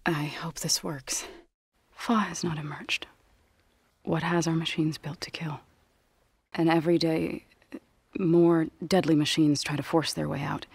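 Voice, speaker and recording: An earnest tribal healer for a sci-fi game. Her voice sits fairly low and is recorded close and dry. She speaks with measured gravity and formal, careful phrasing, like someone carrying a duty to her people. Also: slightly rough, dry recording. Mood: grave, hushed. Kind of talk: scripted video game character dialogue.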